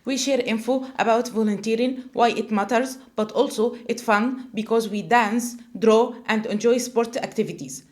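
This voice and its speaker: Speaking at normal speed with hardly any pauses, a woman in her 20s from Egypt uses a fairly high, slightly mellow voice while co-hosting a podcast in a small studio. Hesitant and full of "uh" fillers, she asks guests questions in a casual chat.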